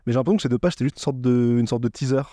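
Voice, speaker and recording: Racing along in a mellow, mid-range voice, a man co-hosts a casual podcast about a manga, recorded at studio quality with no room sound. His explanation of manga details rambles, with frequent restarts and filler.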